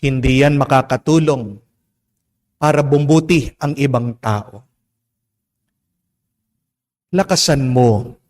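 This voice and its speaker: A man with a Filipino accent preaching a Catholic homily, slow and emphatic, stretching out words and asking rhetorical questions. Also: medium pitch, a little mellow. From Philippines. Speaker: Catholic priest. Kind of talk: homily mixing Tagalog and English. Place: church. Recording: long church reverb.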